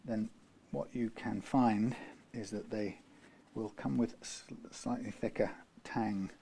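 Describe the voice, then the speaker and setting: Man from the UK, low voice, rambling workshop tutor with dry humour, faint background ambience. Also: steady tone, takes it slowly, creaky, mellow, slight background noise. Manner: rambling, self-correcting, dry asides. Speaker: guitar repair tutor. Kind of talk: workshop how-to narration.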